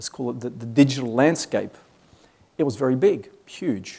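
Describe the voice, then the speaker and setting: A man with an Australian accent. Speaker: technology consultant. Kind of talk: conference presentation. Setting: stage with audience. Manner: halting. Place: hall.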